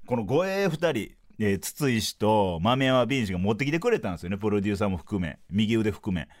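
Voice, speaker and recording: Kansai-accented male comic, 30s, low voice, lively swings, solo podcast storyteller. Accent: Kansai Japanese. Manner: animated, acts out dialogue in quick bursts. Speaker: podcast host, comedian.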